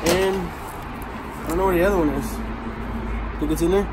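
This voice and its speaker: A man's voice: high voice, moderate pace. A man in his thirties joking and narrating playfully as he digs through a storage locker outdoors. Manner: playful, excitable, teasing. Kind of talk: casual commentary while sorting. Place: outdoors at an open storage unit. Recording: noisy outdoor camera audio.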